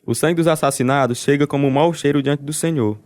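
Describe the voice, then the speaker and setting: A man's voice: fairly high pitch, fast talker, a little mellow, natural voice. An actor playing a steadfast, devout Christian prisoner, a man narrating his own story in an earnest, resolute radio drama style. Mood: firm.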